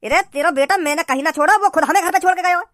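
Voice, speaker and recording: A high voice doing a grumbling rustic father. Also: very fast, fairly bright tone, no echo, studio quality. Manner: grumbling in rural dialect.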